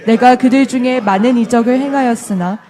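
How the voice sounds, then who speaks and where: A woman reading a scripture passage aloud in a steady, measured way. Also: on the high side.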